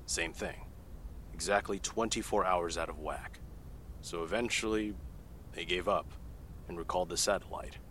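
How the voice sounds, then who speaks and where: A man's voice: low-pitched, expressive, moderate pace, long pauses, a bit bright, slight background noise. A man playing a CIA analyst giving testimony in an audio drama, matter-of-fact and growing incredulous. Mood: skeptical. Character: guarded male CIA analyst under questioning.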